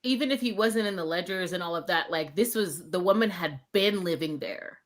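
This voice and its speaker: A woman's voice: fairly low pitch, a little fast, crowd noise. A woman in a casual book club chat, giving firm opinions and acting out imagined dialogue as she goes. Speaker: book discussion panelist.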